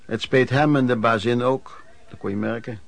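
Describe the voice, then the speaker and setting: A man's voice: mid-range voice, steady tone, moderate pace, vocal fry, lightly acted. An actor playing a former street peddler who frankly recounts his youth as radio play narration, in a conversational way. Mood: reflective. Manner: conversational storytelling.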